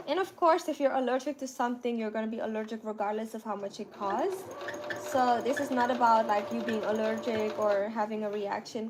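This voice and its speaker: A woman in her thirties chatting casually with viewers in a relaxed, talkative way, often saying "you know" and "like". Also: fairly high pitch, noisy background. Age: 30s. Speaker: content creator. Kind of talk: casual livestream chat answering viewers.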